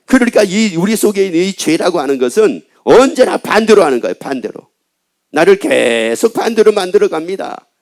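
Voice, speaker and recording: A man's voice: high voice, very animated, brisk, a little mellow. A middle-aged man preaching a sermon as a pastor. He keeps asking the congregation questions and repeats his key phrases in a plain, colloquial way. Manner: call-and-response questions to the congregation.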